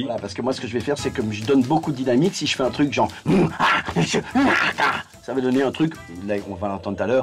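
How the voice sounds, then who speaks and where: Over music in the background, a man at medium pitch talks at a very fast pace in an energetic tone, with ordinary pitch variation and long, frequent pauses. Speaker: voice actor. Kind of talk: casual talk to camera. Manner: energetic, jokey.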